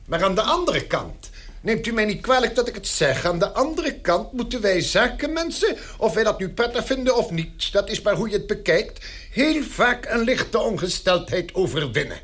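A man's voice: sits high, very animated, moderate pace, fairly bright tone, slight background noise. A man playing a pompous, impatient chief clerk in a radio drama, formal, stern and long-winded. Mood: stiffly courteous.

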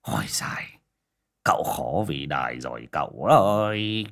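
A man's voice: rumbling low, animated, a bit bright, voice pushed down, full character voice. A man voicing an old village coffin maker who sighs and mutters in pity. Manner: sighing, pitying, slow.

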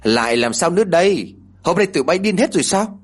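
A short-tempered young village mother in a spoken ghost story, voiced higher and louder than the narration, snapping harsh scolds, as a male narrator acts her out. Her husky voice leaps and swings. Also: animated, a little fast. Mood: angry.

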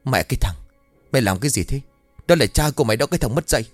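A coarse, furious village neighbor, voiced by a male narrator, scolding and cursing in a loud, rough voice. He barks his words like a man who has lost all patience, in a spoken horror tale. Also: mid-range voice, expressive, rapid-fire, no room sound, faint music behind, natural voice. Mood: angry.

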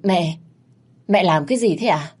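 Phụ nữ giả giọng chàng trai rụt rè run giọng. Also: female voice, lowish voice, measured pace, a little mellow, breathy edge. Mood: timid. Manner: trembling, polite. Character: young man, timid son.

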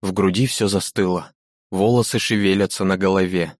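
A man's voice: low-pitched, fairly even intonation, normal speed, no echo, clean studio sound. A man reading a dramatic novel aloud in a grave, theatrical manner. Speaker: audiobook narrator.

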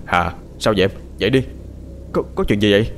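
A man voicing a worried middle-aged husband and father who gives gruff, urgent instructions in a horror audiobook. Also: fairly low pitch, brisk, a little hiss or hum, lightly acted.

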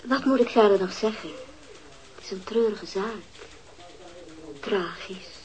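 A woman as a guarded wealthy widow, measured and evasive, radio drama. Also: medium pitch, lightly acted, rough recording.

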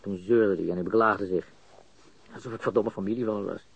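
An actor in a radio crime drama playing a nervous, bitter small-time crook who stammers and talks in slang while confessing under interrogation. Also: male voice, on the low side, fairly even intonation, a little fast, creaky, breathy edge, no room sound. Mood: exasperated. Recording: dull lo-fi studio radio recording.

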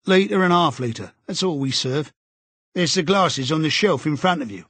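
A man's voice: on the high side, lively intonation, normal speed, fairly bright tone, slightly rough, no echo, pitched above the performer's own voice. A man voicing a brusque middle-aged barman in an audiobook, giving short, dismissive retorts. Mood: curt. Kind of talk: audiobook character voice.

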